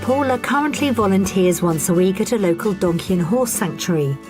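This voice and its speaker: Woman, TV presenter, scripted voice-over, measured and informative, music bed behind. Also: mid-range voice, animated. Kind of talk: scripted TV narration. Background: background music.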